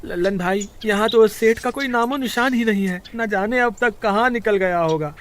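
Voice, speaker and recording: A man voicing a scheming village thief in a cartoon story, greedy and quick to panic. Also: high-pitched, fairly bright tone, a little hiss or hum. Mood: panicky. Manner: plotting, then panicky.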